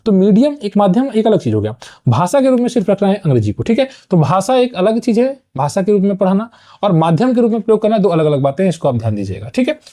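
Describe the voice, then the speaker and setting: Fast, high-voiced male exam-prep teacher. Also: very animated, mellow. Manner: explains points then checks with a quick "thik hai"; mixes English terms into his explanations. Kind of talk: online exam-prep lecture.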